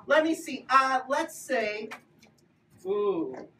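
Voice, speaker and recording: A woman teaching a children's Bible class in a playful, animated way, coaxing the kids to join in. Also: fairly high pitch, drawn-out words, far from the mic, a little hiss or hum. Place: large echoey room with a group of children. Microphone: camera at a distance. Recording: roomy echo, recorded from afar.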